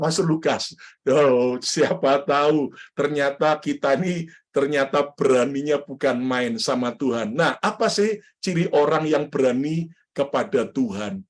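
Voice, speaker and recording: A man preaching a sermon as pastor, lively and storytelling, often turning to address the congregation directly. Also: on the high side.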